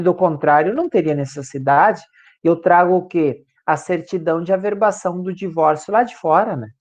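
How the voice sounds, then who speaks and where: This male law professor, whose Brazilian Portuguese accent colors his lecture, has a high and slightly mellow voice. He teaches a classroom and pauses after almost every point to ask "tá, gente?" of his students.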